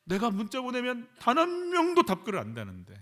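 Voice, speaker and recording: A man's voice: extremely high pitch, huge pitch swings, a little fast, a bit bright. A man, a pastor, preaching a sermon in a church, acting out prayers with emphatic repetition. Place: church sanctuary.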